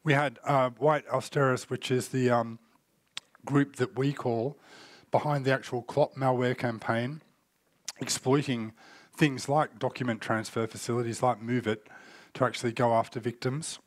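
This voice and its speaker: A man's voice: medium pitch, steady tone, moderate pace, no echo. Man with a cold giving a keynote. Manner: loose spoken presentation with fillers, explanatory. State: getting over a cold, coughing. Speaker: keynote speaker on cyber threat intelligence. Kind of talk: conference keynote talk. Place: indoor conference stage.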